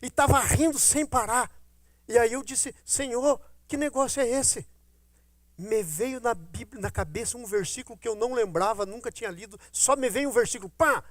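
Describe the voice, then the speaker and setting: High-voiced pastor telling a testimony. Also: male voice, brisk, no echo. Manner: animated storytelling, acting out his own quoted words. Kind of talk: testimony sermon.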